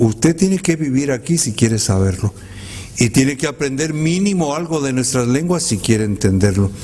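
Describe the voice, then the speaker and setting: Noticeable background noise sits behind a man with a medium pitch. He talks at a moderate pace with lively intonation. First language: K'iche' Maya (speaking Spanish). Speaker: poet. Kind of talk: commented poetry reading. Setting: library hall with audience.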